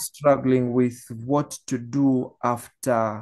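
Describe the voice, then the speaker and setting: Against a quiet background, a man talks at a very slow pace with fairly even intonation. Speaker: student. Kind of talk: class discussion contribution. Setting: video call. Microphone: video call.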